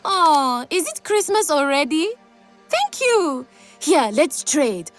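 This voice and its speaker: An actress voicing a manic, cheerful young woman in a video game, excitable and giggly, with a gleeful passion for explosives. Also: sits high, takes it slowly, faint music behind, heavily acted. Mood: chatty, earnest. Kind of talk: video game character acting.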